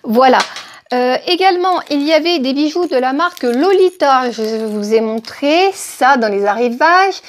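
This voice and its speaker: A woman's voice: high voice, animated, moderate pace, slight background noise. A middle-aged woman from France hosting a casual shopping haul vlog, chatty and hesitant, with many fillers. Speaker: haul vlogger.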